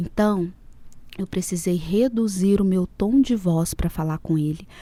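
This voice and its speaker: Her voice is a woman's dark, mellow tone at medium pitch, with ordinary pitch variation. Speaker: leadership consultant. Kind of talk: radio interview. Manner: fast.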